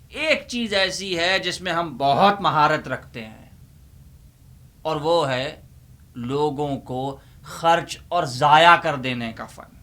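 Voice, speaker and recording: Guy doing a dramatic old uncle librarian, bright forceful voice, hosts comic poetry, gets exasperated, pauses a lot. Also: a little high. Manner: theatrical, declamatory, with deliberate pauses. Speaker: host.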